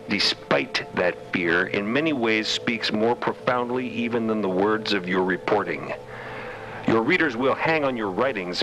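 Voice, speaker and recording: A man voicing a serene, dignified matriarch of a scholarly order in an audio drama, speaking formally, with measured reassurance. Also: lowish voice, sharp tone, rough recording. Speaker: actor in a fiction podcast.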